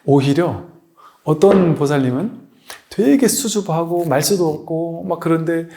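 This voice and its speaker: Male Buddhist teacher, a bit high-pitched, relaxed lecture style with anecdotes and rhetorical questions. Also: a little slow. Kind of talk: dharma lecture.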